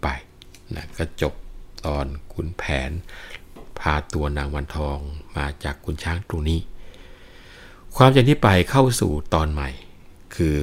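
A man reciting classical narrative verse in a melodic, drawn-out chant, stopping now and then to explain the story in plain speech. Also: very deep voice, very animated. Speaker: reciter and teacher of classical poetry.

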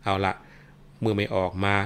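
A man voicing a gruff police officer who shouts rough threats. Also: lowish voice, fairly even intonation, moderate pace, close to an everyday voice. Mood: bellowing.

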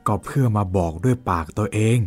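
A man's voice: on the low side, a little fast, soft background music, lightly acted. A man playing an earnest, down-on-his-luck suitor who speaks politely and pleadingly.

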